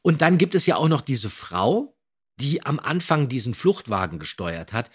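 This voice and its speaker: Guy on a podcast explaining stuff casually, husky voice, middling pitch. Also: very animated, normal speed. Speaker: podcast co-host. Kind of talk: casual discussion, retelling a plot.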